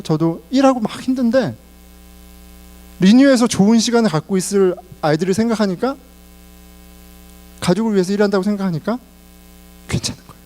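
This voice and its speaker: A man's voice: high voice, mellow. A middle-aged man preaching a sermon in Korean, telling personal stories and laughing along the way. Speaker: pastor.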